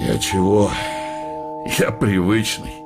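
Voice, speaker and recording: An actor playing a boastful, suspicious working-class husband in a radio comedy, speaking coarse colloquial with a bragging, needling manner. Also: male voice, on the low side, flat delivery, slow, loud music behind the voice. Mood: grumbling, rueful. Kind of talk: radio comedy play acting.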